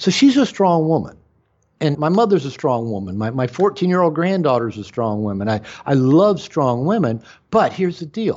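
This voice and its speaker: This is a man speaking in a Pacific Northwest accent. His pitch swings very widely. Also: fairly high pitch for a man, moderate pace. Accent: American (Pacific Northwest). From US Pacific Northwest, Seattle suburbs. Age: 60s. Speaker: author and dating coach. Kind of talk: interview. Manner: halting, frequent repetitions.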